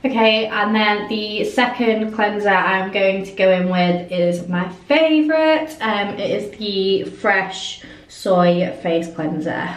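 A young woman chats to her camera in a relaxed vlog, with plenty of ums. Her voice is a bit croaky from a cold and sits at a middling pitch. The sound bounces around an echoey hotel room. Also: slow, soft background music. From England. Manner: chatty, friendly, many ums. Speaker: beauty vlogger. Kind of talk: casual vlog chat to camera. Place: hotel room and tiled bathroom.

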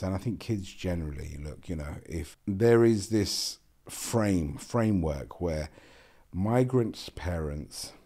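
A man's voice: sits low, slightly rough. A man in his forties with a South London accent, a podcast guest talking earnestly in a casual interview, often repeating his words. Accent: South London English. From South London, England. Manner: earnest, repeats words, animated with hand gestures. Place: small bright studio room with a window. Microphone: boom-arm podcast microphone.

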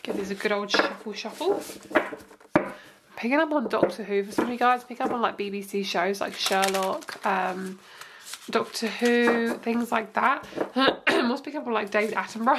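A woman's voice: on the high side, moderate pace, heavy background noise. Young woman, stuffed-up nose, chatty and reassuring, rambling tarot reading. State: stuffed-up nose from hay fever. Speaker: tarot reader. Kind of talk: casual tarot reading to camera. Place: indoor room, table seen from above.

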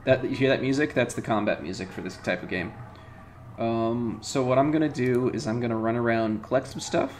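A man's voice: mid-range voice, fairly quick, slight background noise. A man in his thirties casually commenting on the game he is playing, thinking aloud with lots of fillers at home. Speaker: let's play host. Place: home room.

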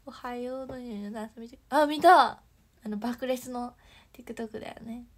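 A woman's voice: on the high side, steady tone, moderate pace. Bubbly young woman chatting on a livestream. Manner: chatty and bubbly, thanks viewers, breaks into soft whispery asides. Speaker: idol livestreamer. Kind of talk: casual livestream chat reading comments.

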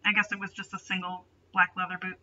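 A woman's voice: on the low side, level tone, fast, pushed and bright, muffled recording. A young adult woman reading a story aloud with dramatic delivery and sarcastic, mocking asides. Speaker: host reading fan fiction aloud. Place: small bedroom, indoors.

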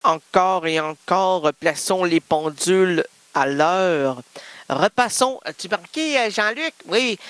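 A man's voice: high-pitched, bright, forceful tone, no echo. A man with a Québécois accent, a radio host bantering playfully, joking, teasing and laughing often, in a radio studio on a studio mic. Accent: Québécois French.

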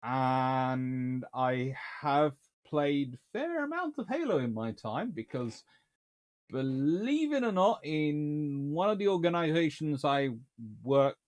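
A medium-pitched man with a darkish tone chats through viewer questions on a casual livestream Q&A. Wry and dry-humoured, he talks from a small home study filled with bookshelves.

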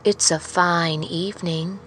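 A woman's voice: on the low side, fairly even intonation, slow pace, fairly bright tone, slight background noise. A woman voicing a monstrous, inhuman man who makes falsely pleasant, menacing small talk in an audio drama. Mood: falsely pleasant menace.

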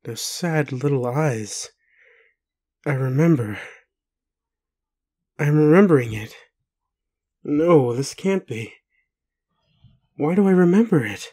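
Slow, hesitant, bewildered actor's male voice. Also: on the high side, expressive, warm tone, husky, exaggerated voice. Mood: stunned, uneasy. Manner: halting, hesitant, full of pauses and sighs. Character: bewildered, doubting, gentle werewolf man comforting partner. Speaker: roleplay audio performer. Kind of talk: intimate roleplay audio acting.

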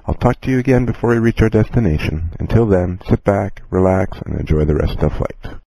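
A man playing a calm, courteous airline captain giving a measured, scripted in-flight announcement. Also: low voice, vocal fry, no room sound, low-quality recording. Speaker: airline captain in a listening lesson.

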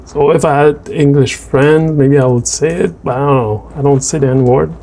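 A man's voice: a little high, steady tone, moderate pace, mellow. A man with a French Canadian accent, a native French speaker, chatting casually in a voice-over about his drawing and his tastes, hesitant with many restarts. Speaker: artist narrating a drawing video.

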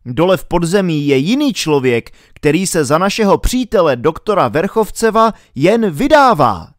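A steady, level-headed starship captain played by a man reading aloud speaks in an even, reassuring tone. His delivery rises and falls with lively intonation. The sound is close and dry. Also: on the high side, no room sound, pitched above the performer's own voice. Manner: calm and reassuring. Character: calm steady adult male spaceship captain.

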